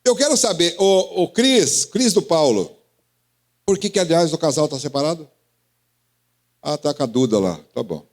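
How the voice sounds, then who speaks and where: A man's voice: a little high, expressive, moderate pace, long pauses. A Brazilian man preaching as pastor, calling on congregation members by name with questions and teasing. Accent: Brazilian Portuguese. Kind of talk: interactive sermon.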